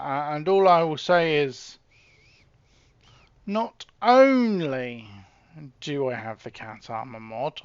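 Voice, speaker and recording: A man's voice: fairly high pitch, clear, resonant tone, no echo, lo-fi sound. A man casually chatting with his live-stream audience while setting up soldiers in a game, often trailing off and restarting.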